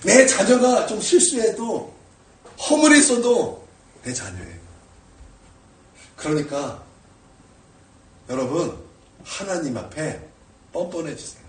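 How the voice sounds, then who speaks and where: Male preacher, high and very animated, shouting prayers then dropping low; roomy sanctuary sound, distant mic. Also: takes it slowly, long pauses. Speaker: pastor. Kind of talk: sermon. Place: church sanctuary.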